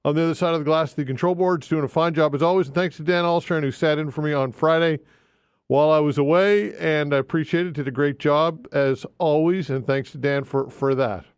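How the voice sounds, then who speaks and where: A man's voice: on the high side, steady tone, fairly quick, clear, resonant tone, no room sound. A man hosting a talk radio show in a studio, speaking emphatically and repeating the call-in details. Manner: emphatic, repeats phone number. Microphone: studio microphone.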